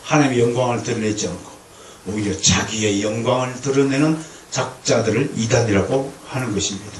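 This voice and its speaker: A male pastor preaching a lively lecture-sermon to a congregation, with humor and call-and-response. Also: medium pitch, brisk. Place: church sanctuary. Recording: echoey hall, distant mic, faint noise.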